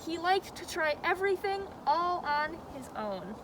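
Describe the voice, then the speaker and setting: A high-pitched woman hosts story time as a zoo educator, expressive and dramatic in her delivery. Clear outdoor noise, with some vehicle rumble, sits behind her voice. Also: unhurried. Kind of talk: animated children's storybook reading and educational talk.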